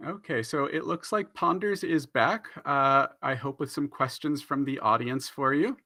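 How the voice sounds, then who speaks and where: A man moderates a panel in an unscripted way. His voice is medium in pitch with a bright, forward tone. He is supportive and speaks a little haltingly. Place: remote online panel call.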